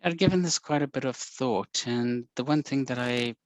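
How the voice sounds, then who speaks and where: A man in his forties with a South African accent, speaking as a guest on a video call interview in a measured, explanatory way. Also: mid-range voice, no room sound. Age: 40s. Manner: measured, explanatory, with frequent ums and uhs.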